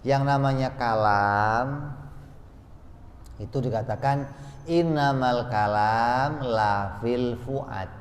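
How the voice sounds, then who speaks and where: A man's voice: mid-range voice, a little mellow, echoey room, long reverb tail, slight background noise. A man giving a religious study lesson. He reads and chants Arabic text from a book, and explains it with rhetorical questions and playful everyday examples. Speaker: religious teacher.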